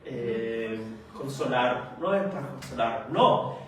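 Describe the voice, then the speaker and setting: A man preaching a sermon, speaking slowly and haltingly with frequent hesitations and rhetorical questions. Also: medium pitch, expressive, a bit bright, slight background noise. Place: church meeting hall. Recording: echoey hall recorded from far off.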